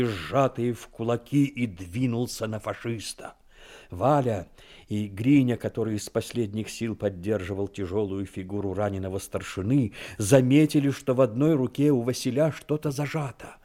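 A man's voice: lowish voice, measured pace, mellow. A man narrating a war story as a scripted audio drama, in a dramatic style.

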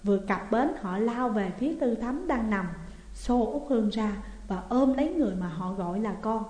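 A woman with a Southern Vietnamese accent calmly reading a ghost story aloud. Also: a little high, normal speed. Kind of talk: scripted narration. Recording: echoey room with long reverb.

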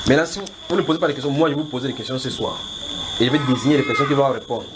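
A man with a Cameroonian accent teaching the Bible in an informal question-and-answer style, brisk and directive, often repeating himself. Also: mid-range voice. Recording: clearly noisy amateur recording.

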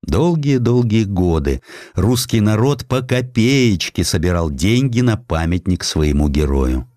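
A man with a deep voice narrates a historical sketch. His intonation moves widely, giving the scripted storytelling a dramatic, expressive shape. The sound is very dry, with hardly any room around it. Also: measured pace, no echo. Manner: expressive storytelling, voicing quotations. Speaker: audiobook narrator.

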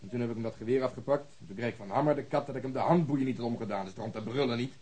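An actor playing a blunt, sardonic police detective with a rebellious streak in a radio drama. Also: male voice, mid-range voice, racing, warm tone, slightly rough, close to an everyday voice. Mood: defensive. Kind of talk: naturalistic radio drama dialogue.

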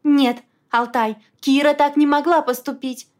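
A woman voicing an alarmed, fiercely loyal young female friend in an audiobook, in a shrill, excited, indignant manner. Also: unhurried. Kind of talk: audiobook character voice.

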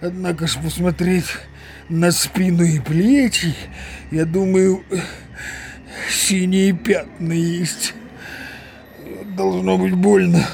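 A man's voice: high voice, steady tone, takes it slowly, vocal fry, pauses often, darkish tone, slight background noise, exaggerated voice. An actor playing a grumbling, muddled older village man in an audio drama, hesitant and blustering, muttering to himself with many interjections. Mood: sore grumbling. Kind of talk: theatrical audio drama acting.

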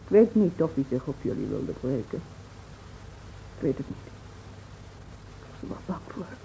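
An actress playing a grieving, reproachful village woman in a Dutch radio drama, speaking with halting solemnity. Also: a bass voice, big pitch swings, vocal fry, dark tone, exaggerated voice. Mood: mournful, bitter. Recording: dull, faintly noisy old radio recording.

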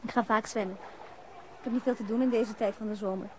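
A woman's voice: fairly high pitch, fairly even intonation, fast talker, close to an everyday voice. An actress playing a forward, easygoing young woman in a radio drama, chatty and inviting. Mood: relaxed, inviting. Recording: noisy radio play with background ambience.

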